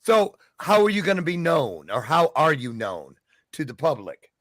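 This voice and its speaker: Man, interview host, animated pitch, chatty and joking, dry sound. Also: normal speed, no room sound. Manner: chatty, joking, loses his train of thought. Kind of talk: casual interview.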